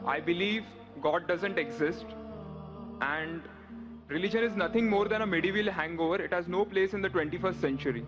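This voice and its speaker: Music plays behind a man with a high-pitched voice. He leaves long, frequent pauses and keeps his loudness very even. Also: ordinary pitch variation. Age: young. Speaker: audience questioner, student. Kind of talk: audience question. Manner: formal.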